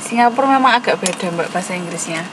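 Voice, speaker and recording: A woman's voice: fairly low pitch, animated, fast talker. A woman teaching an online English class with a Javanese accent, explaining patiently and dropping English terms into her speech. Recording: noisy room with air conditioning.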